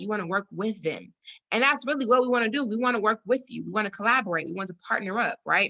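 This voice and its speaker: Very fast and animated, a woman speaks at medium pitch in a bright, sharp tone with vocal fry and ordinary pitch variation. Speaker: sales trainer. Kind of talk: training session.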